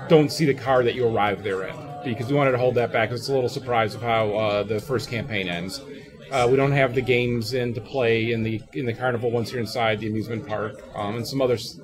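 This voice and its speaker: A man giving a casual, tongue-in-cheek interview as a game developer, recorded in an echoey hallway. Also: medium pitch. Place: open convention hallway at a game table. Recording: echoey hallway with crowd chatter. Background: crowd noise from a convention.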